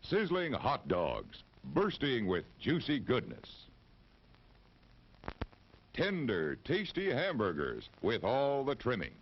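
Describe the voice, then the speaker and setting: Slow, very animated American male announcer. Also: mid-range voice. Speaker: advertising announcer. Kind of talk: vintage drive-in intermission promo. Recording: muffled noisy old film soundtrack.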